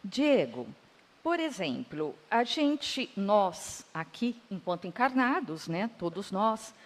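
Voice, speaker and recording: A woman's voice: medium pitch, big pitch swings, slow pace. A woman with a Brazilian Portuguese accent in a spiritist talk, reflective and affirming as she retells edifying stories. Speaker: spiritist lecturer. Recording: reverberant hall.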